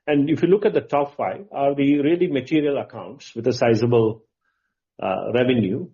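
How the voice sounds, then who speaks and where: A man answers as a company executive on an earnings call, halting yet emphatic, posing questions and answering them himself. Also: medium pitch, warm tone. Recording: muffled, dull conference call audio.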